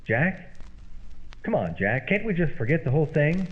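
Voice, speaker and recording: Animated radio comedy straight man, acted by a man. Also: a little high, moderate pace. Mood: apologetic, coaxing. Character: exasperated straight man, apologetic and pleading. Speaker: comedy double-act performer. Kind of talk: old-time radio comedy acting. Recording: muffled, band-limited old-radio sound, faint noise.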